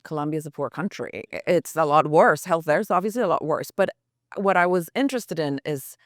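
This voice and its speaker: A woman's voice: low voice, expressive, fairly quick, dry recording, clean studio sound. A woman journalist as a podcast guest, talking earnestly and thinking aloud with restarts. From United States. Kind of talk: reflective podcast interview.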